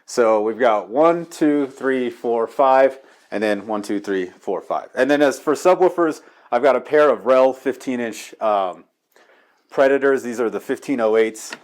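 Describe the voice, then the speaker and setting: A man chatting casually through a home theater walkthrough in his living room, telling it in a rambling, animated, slangy way. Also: mid-range voice, unhurried. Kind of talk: casual gear walkthrough chat.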